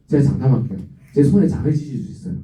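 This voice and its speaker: A man with a Gyeongsang accent preaching an animated, exhorting youth revival sermon in a church sanctuary. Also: mid-range voice, very fast. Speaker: guest preacher. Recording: roomy, dull, distant church recording.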